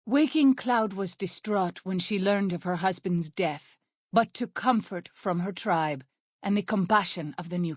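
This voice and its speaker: A gentle tribal healer from a video game, acted by a woman, with a mid-pitched voice. She speaks earnestly in careful, formal phrases free of slang. The recording is close and dry, like studio game dialogue. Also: no room sound, close to an everyday voice. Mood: somber, subdued. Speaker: video game companion character and ending narrator. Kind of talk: scripted video game voice acting. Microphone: close studio microphone, dry.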